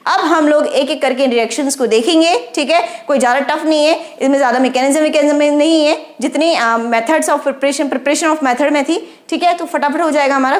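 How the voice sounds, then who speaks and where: A woman teaching chemistry with a memory trick, who asks the class questions and answers them herself. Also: high-pitched. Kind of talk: explaining a lesson with a memory trick. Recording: roomy echo.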